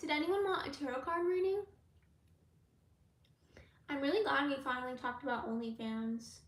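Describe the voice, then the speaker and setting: A woman who reads tarot, chatting with viewers in a live question-and-answer stream. She rambles in a laid-back way and fills pauses with ums and likes. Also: sits high, steady tone. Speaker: tarot reader and YouTuber. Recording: echoey room.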